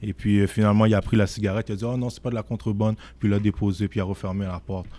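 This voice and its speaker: A man's voice: lowish voice, very fast. A young man with a Québécois French accent, casually telling a story as a podcast guest and often asking "tu comprends?". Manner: animated, repeats "tu comprends?" often.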